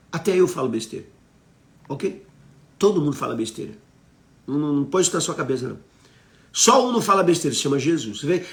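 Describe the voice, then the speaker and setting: A man's voice: on the high side, reverberant. A man with a Brazilian Portuguese accent preaching on a live stream. He teaches emphatically, asks the audience questions and reads out viewer comments.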